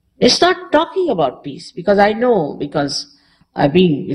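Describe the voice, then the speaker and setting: The woman's voice is somewhat breathy. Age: 60s. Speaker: spiritual teacher. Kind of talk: public spiritual talk.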